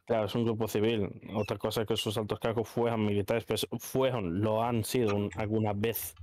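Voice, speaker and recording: A man's voice: lowish voice, flat delivery, normal speed, a little mellow, slight background noise. A man with an accent from Spain, chatting casually with friends as an online gamer. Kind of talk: casual chat among friends.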